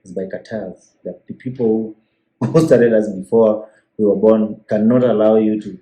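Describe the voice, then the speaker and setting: A man's voice: lowish voice, steady tone, normal speed, dark tone. A man with a Kenyan accent, a business owner chatting easily as a guest, with hesitant restarts. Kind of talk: casual interview chat. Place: room in Kenya. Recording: echoey room.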